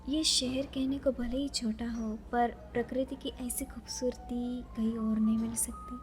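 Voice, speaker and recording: A woman playing a chatty, dreamy young librarian who is easily flustered, musing softly to herself in an audio romance drama. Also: a little high, flat delivery, measured pace, soft background music, lightly acted. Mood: dreamy, content.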